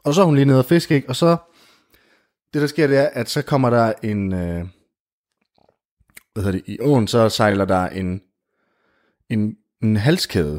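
A man telling an improvised comic story in casual chat, animated and full of fillers. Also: mid-range voice, pauses often. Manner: animated, jumps into character voices, many fillers like "du ved".

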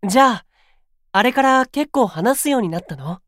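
A male actor playing a gentle, polite and sweetly earnest young idol with a soft, boyish delivery in a Japanese voice drama. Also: very high voice, animated, normal speed, dry recording, clean studio sound. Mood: gently teasing. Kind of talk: Japanese anime-style voice drama acting.

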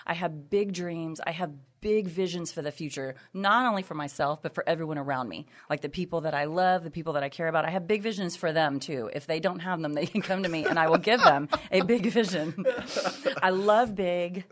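Low-voiced Texan woman, emphatic and expressive. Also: brisk. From Texas, USA. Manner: expressive, emphatic, repeats phrases for effect. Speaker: podcast guest. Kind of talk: faith-based conversational chat. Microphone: headphones on, studio mic.

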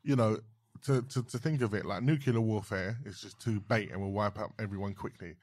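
Low-pitched London man, slangy street talk. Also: a little fast, a little mellow, no echo, clean studio sound. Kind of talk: casual chat.

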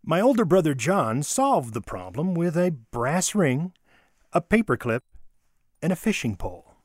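A man giving a theatrical, expressive dramatic reading of a childhood holiday memoir, with wonder and deliberate pauses. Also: a little high, no room sound, clean studio sound. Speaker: storyteller. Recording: music under the voice. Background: music.

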